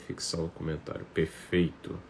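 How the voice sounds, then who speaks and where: A man with a northeastern Brazilian accent and a fairly low voice chats to his livestream audience like an informal teacher. He often tacks on little tag questions. The phone recording carries some background noise. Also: flat delivery, moderate pace, gravelly, darkish tone. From Paraíba, northeastern Brazil. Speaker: teacher hosting a live online class. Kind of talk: informal livestream talk to viewers. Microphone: phone on a stand.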